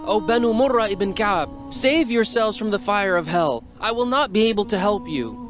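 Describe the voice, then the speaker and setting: A man's voice: high voice, moderate pace, over music, pitched above the performer's own voice, close to an everyday voice. A man voicing a prophet who calls out urgent warnings to a gathered crowd in a raised, proclaiming voice. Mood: solemn urgent.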